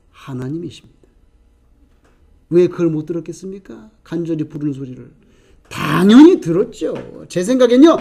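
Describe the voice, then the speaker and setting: A male pastor preaching a sermon in an animated way, acting out the scene and asking the congregation rhetorical questions. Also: fairly high pitch.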